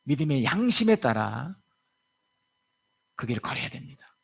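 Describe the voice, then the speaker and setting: A man preaching a sermon in a church, telling the story in a lively way and acting out the voices he quotes. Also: mid-range voice, moderate pace, creaky, breathy edge. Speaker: pastor. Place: church sanctuary.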